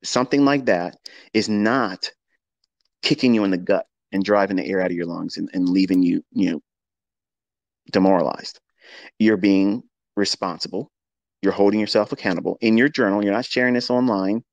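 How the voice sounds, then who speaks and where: Gravelly low-voiced man coaching traders. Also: normal speed, no room sound, lo-fi sound. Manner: earnest, repetitive coaching with spoken asides. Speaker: trading mentor. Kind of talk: live audio-room teaching monologue. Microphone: home microphone on a live audio stream.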